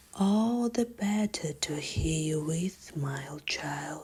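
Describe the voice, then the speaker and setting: In a put-on character voice, someone whispers, soft-spoken and at a very slow pace. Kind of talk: ASMR fairy tale bedtime reading. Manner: soft-spoken, whispered, gentle.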